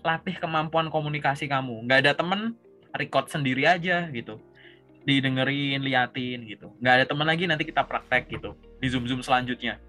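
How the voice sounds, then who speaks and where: A young career coach from Java, Indonesia, speaks in a medium-pitched, bright, forceful voice while coaching a job seeker over a video call. His talk is casual and conversational; he keeps tacking "gitu" onto his points and asks questions to check that the listener follows.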